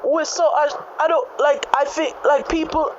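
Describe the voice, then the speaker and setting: A woman's voice: sits high, steady tone, moderate pace. A woman with a Jamaican accent talking casually and frankly in Jamaican English, dropping in patois phrases. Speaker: podcast host. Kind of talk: casual conversation. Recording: dull lo-fi sound with background noise.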